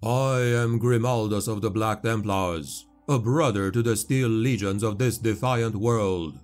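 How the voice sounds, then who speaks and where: A man voicing an armored male warrior-chaplain who talks slowly, booming and full of contempt, with faint music behind. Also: darkish tone, natural voice. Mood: rousing. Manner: slow, booming, scornful. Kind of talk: audiobook character voice.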